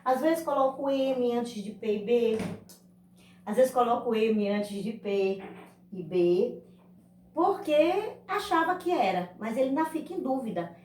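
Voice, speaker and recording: A woman's voice: fairly high pitch, animated, measured pace, darkish tone, a little hiss or hum. A woman teaching a school class, explaining patiently and asking the class rhetorical questions. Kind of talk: recorded online class lesson. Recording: echoey room, voice from a distance.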